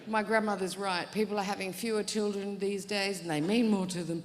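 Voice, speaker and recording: A woman's voice: medium pitch, steady tone, fairly quick. A woman doing a stand-up comedy set, telling rambling, self-mocking stories. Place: comedy venue stage. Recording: live stage with long hall reverb. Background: faint audience laughter.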